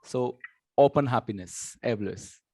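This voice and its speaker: A man raised in Hong Kong speaks with a Chinese accent, explaining his business with earnest repetitions. His voice sits at a middle pitch, recorded dry and close. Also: a little slow, vocal fry, darkish tone, no room sound. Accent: Chinese-tinged. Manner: repeats words, earnest. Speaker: company founder.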